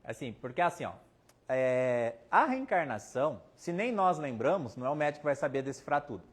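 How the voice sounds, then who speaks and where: A man's voice: medium pitch, very animated, fairly quick, husky. A Brazilian man with a Brazilian Portuguese accent giving a casual spiritist talk, telling anecdotes and quoting people with jokes along the way. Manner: chatty, anecdotal, quotes people in his stories, jokes. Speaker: spiritist medium speaker. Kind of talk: casual storytelling talk with audience questions.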